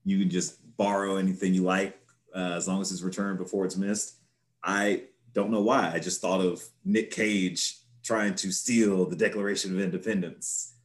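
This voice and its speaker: A man's voice: low voice, flat delivery, normal speed. A man co-hosting a casual podcast, playful and teasing. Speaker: podcast co-host. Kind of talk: casual chat. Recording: roomy echoey sound.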